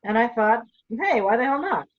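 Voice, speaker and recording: A man's voice: very high voice, big pitch swings, normal speed. A young man hosting a virtual sketch comedy show, joking about himself in a casual introduction. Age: young adult. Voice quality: jokey, self-deprecating, laughs at own jokes. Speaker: host and writer of the sketch show. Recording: somewhat dull, lo-fi sound.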